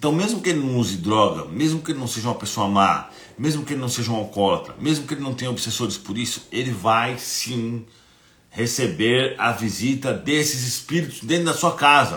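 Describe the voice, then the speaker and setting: In a São Paulo accent, a man talks at a medium pitch and a fairly quick pace with lively intonation. Noticeable background noise and audible room echo surround his voice. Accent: Brazilian Portuguese, paulista. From Brazil, São Paulo. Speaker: spiritist teacher and YouTuber. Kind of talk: livestreamed lecture. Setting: live stream. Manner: casual, colloquial.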